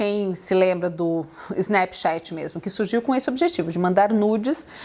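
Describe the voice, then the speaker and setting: A woman speaks at a moderate pace in a medium pitch, with a plain, everyday voice. Her intonation is lively. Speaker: YouTuber. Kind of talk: casual vlog talk to camera.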